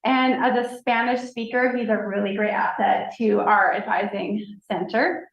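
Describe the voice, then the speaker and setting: A woman's voice: mid-range voice, fairly even intonation, unhurried. A woman who directs a college advising office, presenting new staff at a board meeting in an upbeat, enthusiastic way. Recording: echoey room, dull lo-fi sound.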